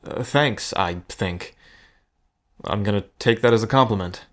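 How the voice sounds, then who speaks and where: Man acting as a low-voiced, protective schemer. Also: measured pace, fairly bright tone. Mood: wry, relaxed. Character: protective, wry male cousin in a gambling scheme. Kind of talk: scripted audio drama acting, addressed to the listener.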